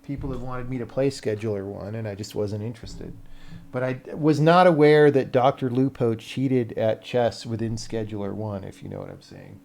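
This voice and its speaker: A man's voice: medium pitch, normal speed, vocal fry, a little mellow. A man live-streaming as a game developer, chatting casually and thinking aloud as he works, often muttering questions to himself. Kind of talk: casual livestream chat, thinking aloud while working.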